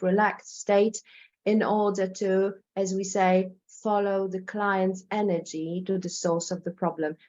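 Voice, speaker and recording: A woman's voice: mid-range voice, lo-fi sound. A woman from Poland with a Polish accent gives an informal presentation as a therapist, speaking hesitantly, repeating words and often checking in with the listener. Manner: hesitant, repeats words, tags sentences with "right?". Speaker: hypnotherapist presenting.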